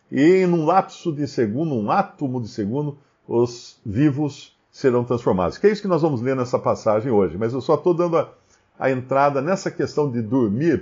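A man's voice: medium pitch, a little mellow. A man with a Brazilian Portuguese accent giving a Bible study commentary, firing rhetorical questions and often restarting his sentences. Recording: slightly dull lo-fi recording.

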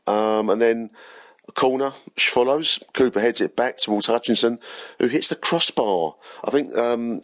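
Hoarse, deep-voiced man. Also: no room sound. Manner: chatty, rambling, self-deprecating. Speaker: football podcast host. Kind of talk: casual solo match review.

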